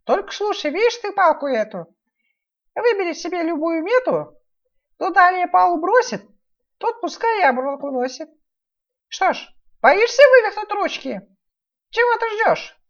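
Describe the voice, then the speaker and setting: Storybook imp child, played by a woman: extremely high, thin, cheeky and boastful, dull recording. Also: big pitch swings, moderate pace, long pauses, heavily acted. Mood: impatient. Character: squeaky cheeky young boy imp, boastful and mewling. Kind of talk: dramatised fairy-tale reading.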